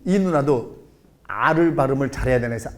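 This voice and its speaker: A middle-aged man giving a jokey, animated lecture, acting out little scenes as he explains. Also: medium pitch, fairly quick. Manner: animated, jokey, acts out quotes and accents. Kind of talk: lively lifelong-learning lecture.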